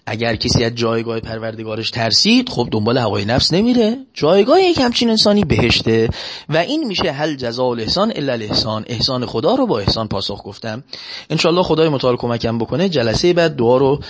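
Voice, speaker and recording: A man preaching a sermon, telling a story in an animated way and slowly chanting scripture. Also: medium pitch. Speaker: religious preacher.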